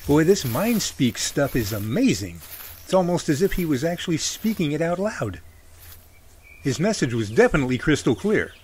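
A man's voice: fairly high pitch, big pitch swings, moderate pace, a little mellow, slightly rough. An actor playing a middle-aged father and Bigfoot researcher in a radio drama, wry and folksy. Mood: calm.

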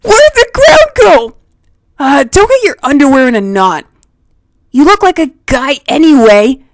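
Lady voicing a spunky anime kid hero, high bouncy voice, kinda slow, eager. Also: very animated, dry recording, studio quality, full character voice. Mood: excited. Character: eager spirited boy hero, about ten. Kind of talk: cartoon voice impression demo.

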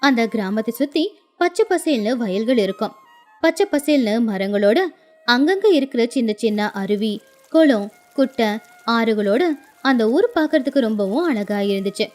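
A woman narrates a children's village tale in a high voice, with music playing behind her. The delivery is scripted storytelling. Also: animated, moderate pace, darkish tone.

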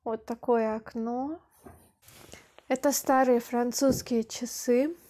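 A young woman speaks slowly and deliberately, her voice high but soft and mellow. She explains things calmly for language learners while filming herself at arm's length. The sound comes straight off a handheld camera, indoors and out. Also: no echo. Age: young adult. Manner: calm, unhurried, deliberate explaining. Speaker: language teacher vlogger. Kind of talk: slow, clear Russian for learners. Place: country house and outdoor yard.

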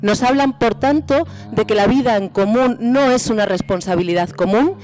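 A woman speaking as a feminist economist at a panel table mic, in a measured, rhetorical style that builds long lists. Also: a little high, a little mellow. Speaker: feminist economist, tribunal expert. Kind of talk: formal statement. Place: conference hall panel.

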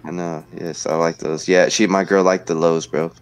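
A man's voice: deep voice, flat delivery, normal speed. A man in his twenties hosting a casual livestream from home, bantering in slang and reading chat messages aloud. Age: 20s. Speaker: livestream host. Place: indoor home room, webcam stream.

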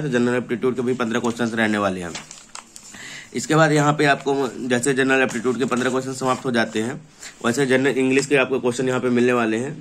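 A man with a mid-pitched voice presents a book in an informal walkthrough. He explains step by step, repeating phrases and listing items as he goes. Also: a little hiss or hum. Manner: repetitive, explanatory, reading out lists. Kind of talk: informal product walkthrough of an exam prep book.

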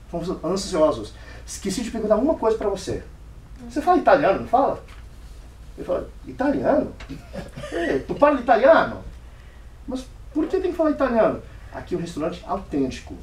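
Guy telling a story at a club meeting, high lively voice, mic far off, roomy echo. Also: slight background noise. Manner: animated, acts out dialogue in varied voices. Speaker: speaker giving a club speech. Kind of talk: storytelling speech. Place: meeting room. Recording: echoey room from far off.

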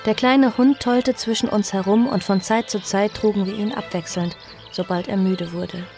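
An actress playing an earnest, cautious girl who recounts her story in a horror audio drama, measured and reflective. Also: medium pitch, fairly even intonation, a little mellow, lightly acted. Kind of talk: audio drama narration and dialogue. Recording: music behind the voice.

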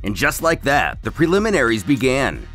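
A man's voice: mid-range voice, huge pitch swings, normal speed, a bit bright, faint music behind. A man narrating a scripted story recap as a host, in a storyteller's delivery.

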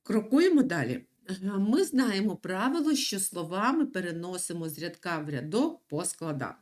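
A middle-aged woman teaching young pupils in a recorded lesson. Her voice rises and falls in a lively, sing-song way as she stresses each key word. She explains slowly and patiently, like a teacher at the front of a class. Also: lowish voice. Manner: clear, patient, emphatic teacher explaining to children. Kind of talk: recorded online school lesson.

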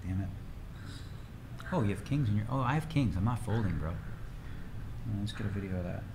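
A man's voice: lowish voice, lively intonation, moderate pace, creaky, noisy background. A man in his forties chatting energetically and rambling while streaming a game from his home room. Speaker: poker streamer. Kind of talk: casual livestream chat.

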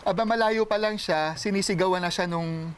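A man with a Filipino accent, a priest guest on a cooking show, talking in an animated, casual way and mixing in English. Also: high-pitched, brisk, clear, resonant tone. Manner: animated, switches between Tagalog and English, mimics voices in anecdotes.

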